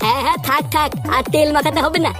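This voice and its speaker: A man voicing a foul-mouthed, hot-tempered young man in a cartoon, loud and quick to curse. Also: very high voice. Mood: bossy. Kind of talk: cartoon voice acting. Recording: music playing behind.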